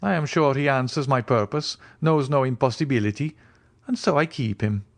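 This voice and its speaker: Male narrator as a mysterious aristocratic count, raised pitch, formal, precise, self-assured, loftily composed, audiobook dialogue. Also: normal speed, vocal fry, close to an everyday voice. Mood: lofty, calm.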